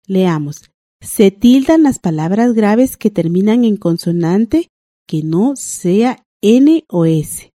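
Clear, deliberate woman teaching a lesson. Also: medium pitch, expressive, dark tone, no room sound. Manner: clear, deliberate instructional reading. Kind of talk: educational broadcast lesson.

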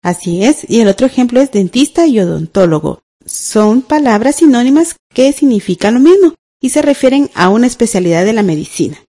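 A woman co-teaches a radio language class. She explains slowly and clearly in a calm, mellow voice. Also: fairly high pitch. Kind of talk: radio school lesson.

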